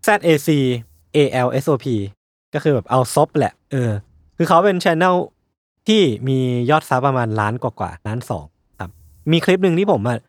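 A man co-hosting a casual podcast chat, relaxed and jokey as he shares stories. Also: mid-range voice, moderate pace, dry recording, clean studio sound. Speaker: podcast co-host.

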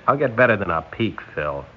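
A man playing a scheming male spy who poses as a loyal engineer, with a smooth, sly, sarcastic delivery in a vintage radio drama. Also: low-pitched, expressive, normal speed. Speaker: scientist on a secret propulsion project. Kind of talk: 1950s radio drama acting. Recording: dull lo-fi vintage radio broadcast.

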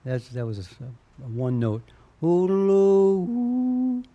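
A man's voice: mid-range voice, level tone, moderate pace, mellow, lo-fi sound. A man, a singer and yodeler, chatting casually in an interview and explaining his technique, breaking into short yodel demonstrations.

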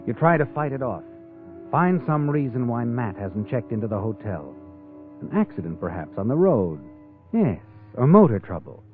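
A man's voice: medium pitch, sing-song, moderate pace, lightly acted. Man playing ominous 1940s radio narrator guy, taunting and insinuating, tinny old broadcast w/ music under it. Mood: ominous, uneasy. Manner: insinuating, taunting tag questions. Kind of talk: 1940s radio drama narration in second person. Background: dramatic music.

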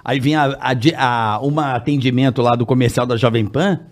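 A man telling a prank story in casual chat, animated and profane, laughing often. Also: mid-range voice, fairly quick.

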